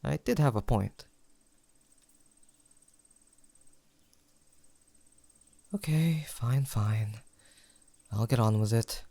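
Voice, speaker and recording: A young man playing a sentimental, teasing longtime best friend in an intimate audio roleplay, pausing for an unheard listener. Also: mid-range voice, vocal fry, no room sound. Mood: playful teasing. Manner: soft-hearted, playful banter with pauses for an unheard listener.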